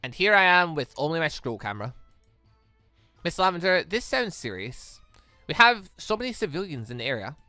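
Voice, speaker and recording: Casual let's play commentary drifts between the host's own musings and visual novel lines read aloud, with plenty of repetition and rephrasing as he thinks. He has a medium pitch, big pitch swings, a moderate pace, no echo, and game music in the background.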